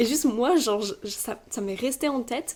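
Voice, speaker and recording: On a very clean recording with a silent background, a woman speaks in a high pitch with ordinary pitch variation. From Brittany, France. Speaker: podcast guest. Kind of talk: casual interview chat. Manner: halting, many fillers.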